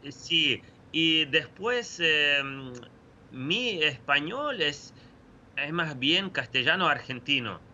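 A Ukrainian parish priest in his forties speaking Spanish as a second language with a Ukrainian accent, answering slowly with many pauses and fillers over a video call. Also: a little high, big pitch swings, sharp tone, highs cut off, a little hiss or hum. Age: 40s. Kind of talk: remote interview answers.

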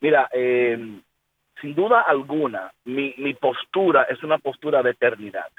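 A man's voice: medium pitch, lively intonation, a little slow, husky, narrow, tinny audio. A man from the United States, a pastor, talking earnestly in a faith interview and dropping English words into his speech. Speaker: pastor and guest.

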